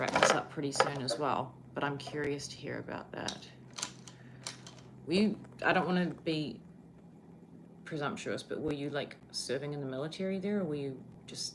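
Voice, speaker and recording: In a New Zealand accent, a woman with a very deep, low pitch speaks at a moderate pace in an animated tone, with ordinary pitch variation and big swings in loudness. Long, frequent pauses break up her speech, and there is audible room echo plus noticeable background noise. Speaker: livestreamer. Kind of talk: casual chat.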